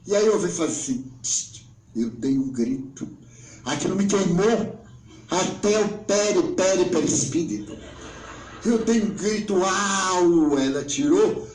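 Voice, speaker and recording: A man in his nineties with a Brazilian Portuguese accent, giving a spiritual talk as an emotional story, swinging between hushed and exclaiming. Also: high voice, animated, a little slow, roomy sound, rough recording. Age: 90s. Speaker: spiritual speaker.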